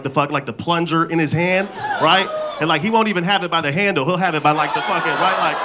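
A man's voice: fairly high pitch, background noise. A man in his thirties doing a loose, profane stand-up set on a club stage, holding a handheld mic, with the crowd laughing. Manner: loose, profane, slangy storytelling. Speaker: stand-up comedian. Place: comedy club stage before a live audience. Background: audience laughter.

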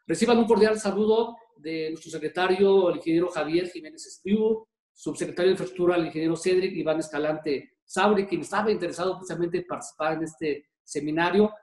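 A man's voice: sits high, lively intonation, a little fast, few pauses, darkish tone, roomy sound, low-quality recording. A man, presenting formally with many hesitant fillers. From Mexico. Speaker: government official presenting.

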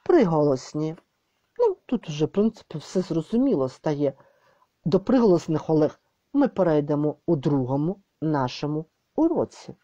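A woman tutors with a lively, swooping voice, drawing out example phrases slowly and repeating them before translating. The recording is dull and lo-fi, with a dry, close sound. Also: sits low, no echo. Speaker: English tutor. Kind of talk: casual recorded lesson.

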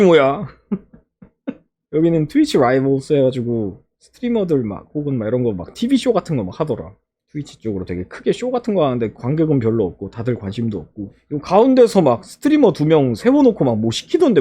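Animated man chatting with lots of laughs. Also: fairly high pitch, slightly rough. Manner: animated, laughs often, piles up fillers and exclamations. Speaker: streamer. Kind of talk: casual vlog recap over photos.

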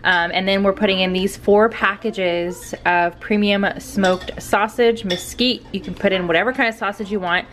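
A woman's voice: mid-range voice, fairly even intonation, moderate pace, few pauses, a bit bright. A woman in her thirties chatting casually to her viewers while filming a cooking vlog on an outdoor deck. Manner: chatty, addresses viewers as "you guys". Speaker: vlogger.

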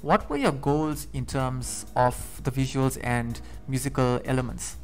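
A man's voice: mid-range voice, steady tone, unhurried, darkish tone, faint music behind. A man hosting a radio interview, putting questions to his guest.

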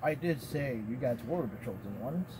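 A game master voicing an aloof male talking black cat messenger with a lowered, mock-solemn voice. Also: lively intonation, moderate pace, noisy background, lightly acted.

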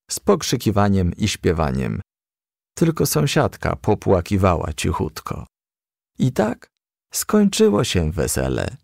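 Slow, deep-voiced male storybook narrator. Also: vocal fry, no echo, studio quality. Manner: expressive, measured storytelling. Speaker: audiobook reader. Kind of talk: scripted storybook narration for children.

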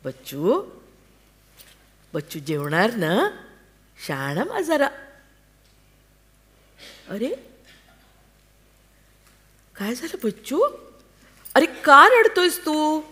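A woman's voice: fairly low pitch, wildly swooping pitch, very slow, pauses often, exaggerated voice. A woman reading an anxious, devoted wife. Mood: alarmed. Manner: pleading, coaxing, tender with a child. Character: anxious devoted wife and mother, middle-aged. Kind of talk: staged play reading.

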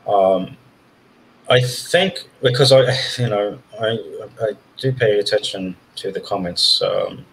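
A young man with a very deep, gravelly voice speaks into a headset on a video call. He argues in a measured, methodical way, building his case point by point from a small room. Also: a bit bright, slight background noise, rough recording. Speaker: host. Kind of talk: casual debate on a video call.

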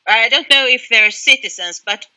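A woman's voice: a little high, normal speed, sharp tone, rough recording. A middle-aged woman with a Swedish accent, answering interview questions emphatically over a headset on a video call from a small room at home. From Sweden. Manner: emphatic, opinionated, with frequent restarts. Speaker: guest.

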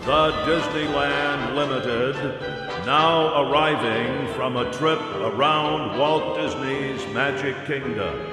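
A man making a formal announcement through station loudspeakers, measured and formal. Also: medium pitch. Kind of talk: formal public address announcement. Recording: echoey hall over loud music.

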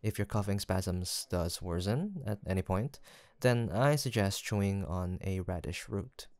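A man playing a gentle, kindly young village apothecary in a soft roleplay audio drama, speaking politely and formally with attentive reassurance. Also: low voice, lively intonation, a little slow, dry recording. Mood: caring, courteous.

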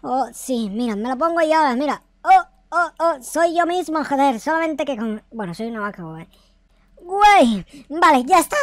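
A man voicing an excitable, silly, affectionate noob boy in a comedic Minecraft roleplay, with a Latin American Spanish accent and exclamatory, repetitive, sweary talk. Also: very high-pitched, moderate pace, dry recording. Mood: excited, playful.

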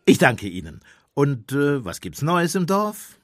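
An actor playing a genial, slyly inquisitive village priest in a radio play, courteous and gently probing. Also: male voice, fairly high pitch, very animated, unhurried, dry recording, studio quality. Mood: slyly curious. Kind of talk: German radio play acting.

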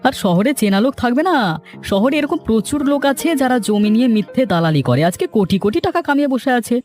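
A man's voice: very high voice, expressive, fast talker, a little mellow, faint music behind. A man voicing a greedy, scheming village swindler in a cartoon, boastful and gloating. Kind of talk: dramatized cartoon villain dialogue.

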